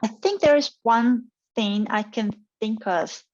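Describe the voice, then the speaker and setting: A woman from Taiwan with a Taiwanese accent, speaking casually and thoughtfully with halting, repeated phrases as she gives advice. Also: a little high. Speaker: scientist mentor being interviewed. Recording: dull, muffled lo-fi audio.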